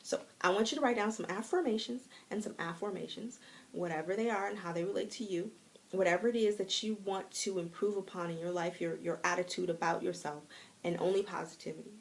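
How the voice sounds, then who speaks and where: Encouraging woman with a gravelly edge. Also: fairly low pitch, a little fast, a little hiss or hum. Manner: encouraging, animated, laughs lightly. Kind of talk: live-streamed motivational talk. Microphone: phone mic.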